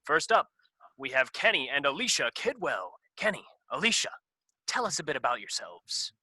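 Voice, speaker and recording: A pumped-up TV game show host, acted by a man in a parody sketch. His voice is very bright and slightly high, swooping with showy, chummy cheer. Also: big pitch swings, normal speed, husky, no echo, exaggerated voice. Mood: upbeat. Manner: upbeat, showy, patronizing.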